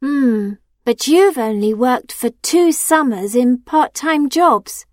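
Woman acting as a high, bouncy young friend, slow and clear. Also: lively intonation, a little mellow, no echo, studio quality. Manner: clearly enunciated, questioning. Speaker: friend character in a listening test. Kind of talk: scripted exam dialogue.

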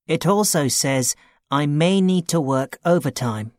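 A man playing a young man looking for a part-time job, talking in a plain, steady, matter-of-fact way in a scripted dialogue. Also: a little high, a little slow, no room sound, studio quality. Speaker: student character in a listening test.

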